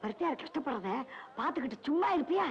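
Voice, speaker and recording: An actress playing a sharp-tongued old village grandmother in an old Tamil film, scornful and gossiping, with a Tamil accent. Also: high-pitched, big pitch swings, quick pace. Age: older. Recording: dull old film soundtrack.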